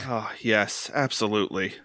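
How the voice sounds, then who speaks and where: A man's voice: fairly low pitch, normal speed, bright, forceful tone, slight background noise. A man playing an exasperated young gay football punter in an audio theater comedy, confessional and self-mocking. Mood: relieved.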